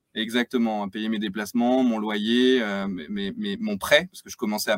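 Speaking at a moderate pace, a man with a fairly low pitch and fairly even intonation comes across in a dry, close sound with no echo. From northern France, Aisne. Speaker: head of sales. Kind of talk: interview. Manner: halting, many repetitions.

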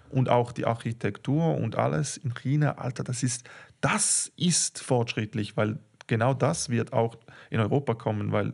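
Against a quiet background, a man speaks with vocal fry and ordinary pitch variation. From Switzerland. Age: 30s. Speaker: stand-up comedian, podcast co-host. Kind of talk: casual chat.

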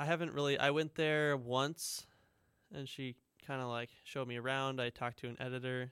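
A man speaks at a moderate pace with an Upper Midwest accent, his intonation monotone and flat. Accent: Upper Midwest American. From rural Minnesota. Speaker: college podcast co-host. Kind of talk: casual chat.

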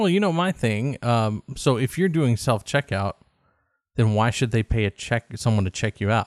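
A man with a plain, everyday voice and medium pitch speaks at a moderate pace with lively intonation and very even loudness, in a very clean recording with a silent background and a dry, close sound with no echo. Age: 40s. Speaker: podcast co-host. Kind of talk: casual chat.

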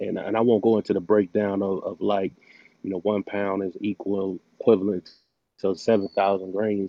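A man talks at a moderate pace in a fairly low voice. His intonation is monotone and flat. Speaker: audience participant. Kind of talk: live audio room debate. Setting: live online audio room.

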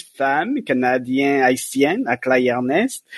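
A man with an American accent speaks at a fairly slow pace. His fairly high pitch holds fairly even intonation. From United States. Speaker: seminary professor. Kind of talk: panel discussion. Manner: halting.

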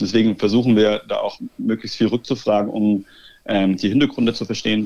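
A man has an unremarkable speaking voice, pitched fairly low. He talks at a moderate pace with fairly even intonation. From Swabia, southwest Germany. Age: 40s. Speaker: sales director at interim management firm. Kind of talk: podcast interview. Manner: frequent fillers and self-corrections.

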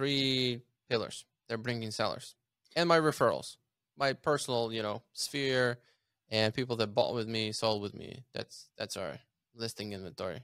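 The recording is very clean, with a silent background and a dry, close sound with no echo. A man talks at a moderate pace with ordinary pitch variation. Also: medium pitch for a man. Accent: Ukrainian. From Ukraine. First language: Ukrainian. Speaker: real estate team leader. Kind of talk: interview. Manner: halting.

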